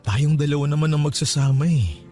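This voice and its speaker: A man's voice: a little high, brisk, dark tone, soft background music, lightly acted. A man playing an earnest, lovestruck young suitor in a radio romance drama, pleading insistently.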